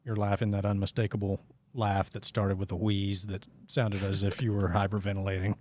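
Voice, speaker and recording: A man's voice: fairly low pitch, level tone, a little fast, a little mellow. A middle-aged man from Northeast Arkansas, hosting a casual podcast and telling rambling, sarcastic stories. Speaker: podcast host.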